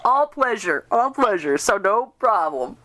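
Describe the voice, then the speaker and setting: A woman's voice: mid-range voice, very animated, unhurried, a bit bright, no room sound. A woman hosting a casual fan interview, telling stories in an enthusiastic, rambling way. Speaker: podcast host and radio drama writer.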